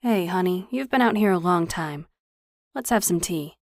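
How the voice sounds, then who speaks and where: Lady narrator doing a calm older mountain aunt, gentle and plain-spoken, lowish voice. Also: moderate pace, no room sound, clean studio sound.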